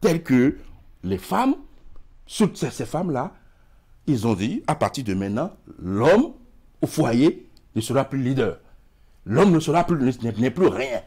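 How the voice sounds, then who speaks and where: A man's voice: mid-range voice, sing-song, a little slow, long pauses, darkish tone, slightly rough. A middle-aged man with a West African French accent, a guest in a TV studio interview, who gestures widely and stumbles over repeated words. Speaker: studio guest, emigration expert. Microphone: lapel mic.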